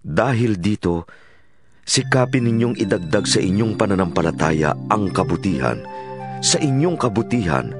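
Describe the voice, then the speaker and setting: A Filipino man narrates scripture in a low-pitched voice. His phrasing is solemn and deliberate, shaped as a dramatized audiobook reading. Music plays clearly behind him.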